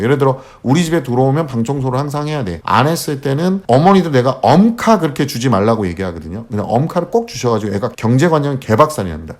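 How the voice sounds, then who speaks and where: A man's voice: mid-range voice, a little mellow. Male speaker for a parenting lecture; blunt and slangy, talks straight at parents, voice that swings up and down. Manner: acts out quoted parents and kids. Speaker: speaker giving parenting advice. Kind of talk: lecture-style talk.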